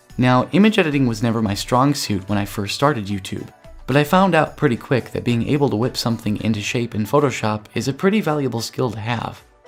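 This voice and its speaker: A man's medium-pitched voice at a very fast pace with lively intonation, music in the background. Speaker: YouTuber. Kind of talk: casual voiceover commentary.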